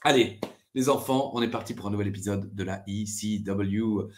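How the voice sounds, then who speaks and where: A man's voice: fairly low pitch, normal speed. A man hosting a comedy podcast sketch, the exasperated straight man with dry put-downs. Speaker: podcast host.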